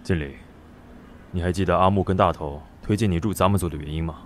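An actor playing a firm, world-weary but caring police squad leader in a Taiwanese-accented audio drama. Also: male voice, low voice, fairly even intonation, quick pace, slight background noise, natural voice. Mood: weary, admonishing. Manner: authoritative, instructing subordinates. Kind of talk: Mandarin audio drama acting.

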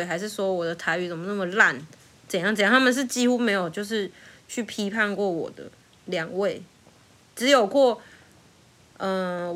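A young woman with a Taiwanese Mandarin accent, chatting casually and telling stories with frequent laughter. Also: medium pitch. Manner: animated storyteller who laughs often. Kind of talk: casual chat.

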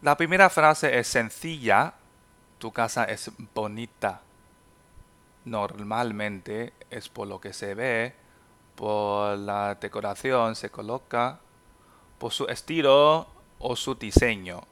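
Slow, patient male Chinese teacher. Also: lowish voice, a bit bright, smooth. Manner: slow, careful enunciation of example sentences. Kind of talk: podcast language lesson.

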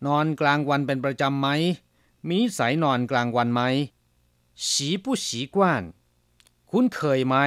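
Male teacher for a lesson program. Slow, deliberate pronunciation with an animated voice and a dry studio sound. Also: mid-range voice, clean tone, dry recording. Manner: slow, careful word-by-word pronunciation. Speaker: language teacher. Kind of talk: radio-style language lesson.

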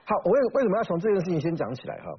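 A man's voice: sits high, big pitch swings, rapid-fire, slight background noise. A man speaking as a guest on a political talk show, conversationally setting up a story. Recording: slightly dull broadcast audio.

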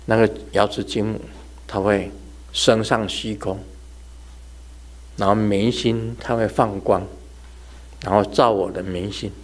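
Slow, low-voiced man telling a sermon. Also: level tone. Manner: chatty storyteller who laughs and imitates sounds. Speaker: religious teacher. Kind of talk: sermon told as humorous ghost anecdotes.

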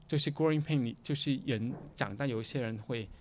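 Male interview guest, mid-pitched, conversational and halting, drops in English words. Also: a little mellow, slight background noise. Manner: halting, repetitive, mixing English words into Mandarin.

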